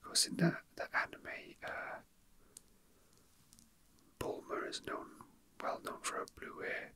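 A man whispering in a breathy, unvoiced voice, rambling casually and a little hesitantly as an ASMR host, musing to himself. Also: takes it slowly, pushed and bright.

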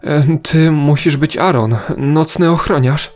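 Man voicing a hurried woman coworker, raised pitch. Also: darkish tone, faint music behind, lightly acted. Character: hurried, breathless woman store worker.

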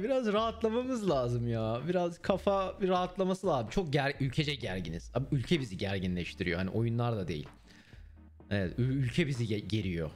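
A young man, chatting casually with his stream viewers in a blunt, swearing manner. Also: fairly high pitch. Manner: blunt, swears and mocks freely. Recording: faint music underneath.

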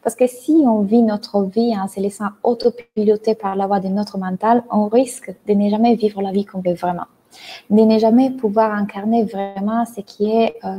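A woman's voice: medium pitch, husky. Italian-accented woman coaching on a video call. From Italy. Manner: lively, gestures a lot with her hands while explaining. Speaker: mindset coach and hypnotherapist. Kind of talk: online talk, explaining to a live audience. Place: bright room at home, indoors. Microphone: earphone headset mic on a video call.

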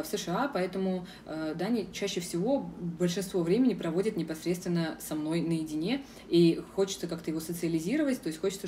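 A woman's voice: lowish voice, mellow, far from the mic, slight background noise. A young woman from Russia answering viewers' questions in a casual vlog, frank and firm, with many hesitation sounds. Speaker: vlogger. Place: outdoors in a city square.

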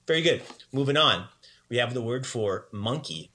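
A man teaching a casual language lesson in an upbeat, chatty way, repeating words slowly for learners. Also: mid-range voice, expressive, bright, forceful tone.

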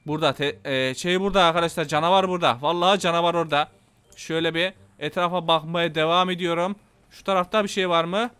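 A man with a Turkish accent giving excitable, casual gameplay commentary, talking to his viewers and swearing playfully. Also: on the high side, fast talker, clean tone. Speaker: gameplay YouTuber.

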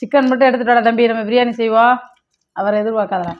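A woman's voice: on the high side, steady tone, quick pace. A woman playing the mother in a family comedy sketch, scolding and ordering others about with dry humor. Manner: bossy, scolding, wry. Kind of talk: comic family banter. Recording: dull lo-fi home recording.

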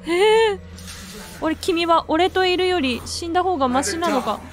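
A woman reading out the lines of a deranged, obsessive male killer from a horror game in a flat, read-aloud way. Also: very high voice, normal speed, a crowd in the background, pitched above the performer's own voice.

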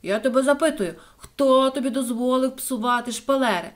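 A woman's voice: mid-range voice, slow pace, lightly acted. A woman voicing a strict middle-aged man who patiently teaches his dog letters in a storybook reading. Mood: annoyed. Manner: firm, instructive, spelling out letters.

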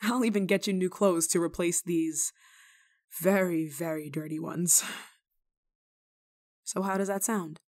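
Woman acting as kindly rebellious nun, lowish female voice, ASMR roleplay, gentle teasing, caring. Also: fairly even intonation, a little slow, pauses often, lightly acted. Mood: caring, encouraging. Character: kindly, amused, rule-breaking nun, lonely but caring. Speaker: roleplay voice actor. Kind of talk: ASMR roleplay, acted monologue to the listener.

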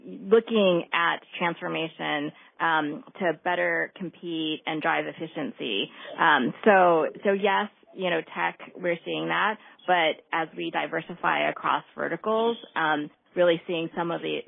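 A woman's voice: on the low side, vocal fry, breathy edge, no room sound. A woman answering analyst questions as a company executive, speaking in polished business language. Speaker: company executive on an earnings call. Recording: muffled narrowband phone line.

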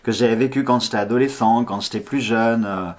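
Man, thirties, slight lisp with slushy s, mid pitch, casual vlog chat, playful, self-teasing, rambling asides. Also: steady tone, a little fast. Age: 30s. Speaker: tarot card reader and video host. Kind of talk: casual chatty vlog to camera. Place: small indoor room, seated at a table.

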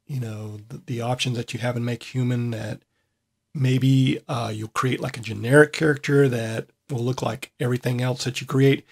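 A man hosting a casual screen-recorded tutorial, his voice at an ordinary middle pitch. He thinks aloud as he works, loose and unhurried. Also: gravelly, husky. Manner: thinking aloud with fillers and restarts, relaxed. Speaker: software tutorial host.

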